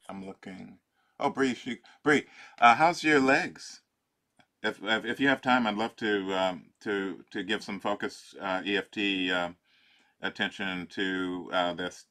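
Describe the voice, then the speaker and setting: An older man coaching someone through a tapping routine on a video call. His voice is bright and forward, and he jokes and laughs often, stopping to search for words with lots of fillers. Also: on the low side. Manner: playful, laughing, halting with many fillers. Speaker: life coach. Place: home room.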